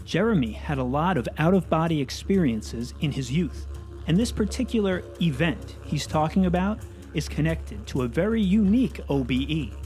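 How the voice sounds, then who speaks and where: A man's voice: a little high, normal speed, faint music behind. A man hosting a podcast, chatting casually and narrating between stories. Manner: relaxed, conversational, uses filler words. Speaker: podcast host.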